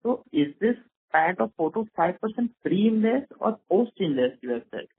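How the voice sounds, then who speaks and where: A man with a distinctly high voice and an Indian accent. He asks business questions as an analyst on a call. The sound is narrow, like a telephone. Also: sing-song, moderate pace, husky. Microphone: telephone conference call. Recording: narrow tinny phone line.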